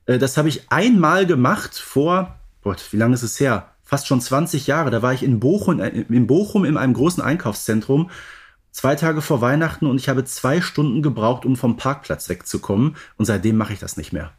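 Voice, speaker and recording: Mann mittleren Alters im Podcast-Plauderton. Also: male voice, mid-range voice, lively intonation, normal speed, husky. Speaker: podcast co-host. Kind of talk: casual chat about audio drama episodes.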